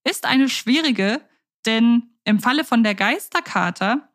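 A woman's voice: on the high side, animated, a little slow, a bit bright. German lady podcast host, chatty and playful, rambles a bit. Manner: chatty, playful, long winding sentences. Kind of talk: casual podcast chat.

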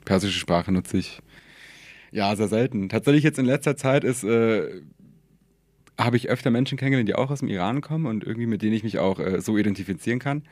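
A man in his twenties, a podcast guest from Germany, talking in a relaxed, hesitant way with many fillers and easy laughter. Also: lowish voice, brisk, no room sound. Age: 20s. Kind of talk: casual conversation.

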